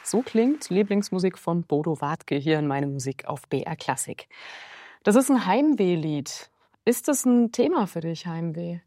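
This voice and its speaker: A woman with a somewhat low voice hosts a radio music interview. She asks calm, prepared questions. The studio sound is dry and close. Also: a little slow, no echo. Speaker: radio host.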